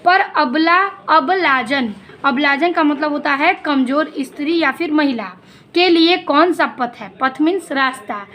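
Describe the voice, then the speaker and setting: A woman teacher explaining a poem line by line, reading the verses slowly and then explaining them in plain words. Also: high-pitched, a bit bright.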